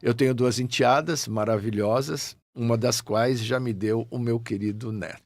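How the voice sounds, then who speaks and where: Gravelly older São Paulo man. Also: medium pitch, normal speed, no room sound. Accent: São Paulo Portuguese. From Brazil (São Paulo). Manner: warm, reflective, grateful. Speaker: guest, actor. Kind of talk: casual interview chat.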